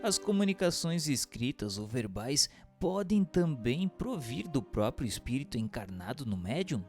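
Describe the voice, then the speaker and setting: A man's voice: medium pitch, sing-song, measured pace, over music. A man reading scripted radio drama narration and posing questions in a formal, enunciated way.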